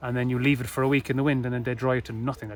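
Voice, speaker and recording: A man talks very fast with a strong Irish accent. His pitch is medium and his intonation fairly even. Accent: thick Irish. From rural Ireland. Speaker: podcast co-host. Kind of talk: casual chat.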